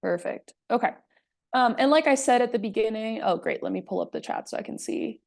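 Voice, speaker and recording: A woman's voice: on the high side, brisk, creaky. A woman from Puerto Rico leading a workshop on a video call in a friendly way, with frequent "um" fillers. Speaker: presenter and workshop facilitator. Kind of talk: casual presentation on a video call.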